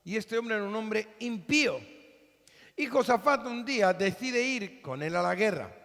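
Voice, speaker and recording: High gravelly man preaching. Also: moderate pace. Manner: animated storytelling, acting out characters. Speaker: pastor. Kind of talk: sermon. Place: church. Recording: echoey church hall.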